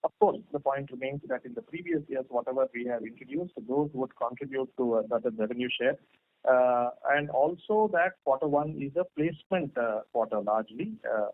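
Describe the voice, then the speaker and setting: A man's voice: mid-range voice, no room sound. A man, a company executive, answering analyst questions on an earnings call, hesitant with many fillers and restarts. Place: conference call over phone. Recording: tinny phone line.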